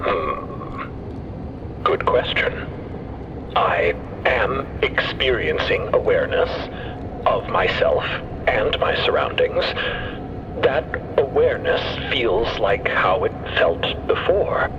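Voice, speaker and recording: A man playing a thoughtful scientist whose mind lives in a mechanical body, speaking deliberately and analytically in an audio drama. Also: on the low side, animated. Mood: reflective. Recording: dull band-limited sound with background noise.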